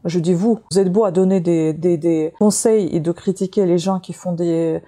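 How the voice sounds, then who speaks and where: A woman whose first language is not French hosts her own crochet channel. She speaks with a mellow, low-set voice and sounds fed up and blunt, filling her speech with many "euh" pauses. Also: steady tone. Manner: frank, exasperated, many hesitations. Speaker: crochet YouTuber. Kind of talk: casual tutorial intro, venting rant.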